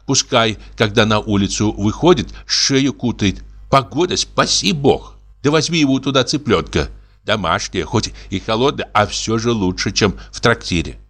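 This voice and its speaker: A man's voice: on the low side, expressive, moderate pace, a bit bright. A man reading aloud and voicing an elderly mother who frets, sighs and calls on God. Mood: fussing. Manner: sighing, fussing, prayerful exclamations. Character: fretful elderly mother, pious and doting.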